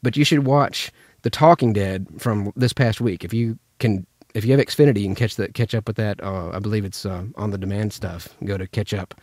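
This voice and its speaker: A man's voice: fairly low pitch, fairly quick, darkish tone, no room sound, clean studio sound. A man from Memphis in the United States, chatting informally as he teaches voice acting through anecdotes. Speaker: voice actor teaching character voices. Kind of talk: casual instructional chat.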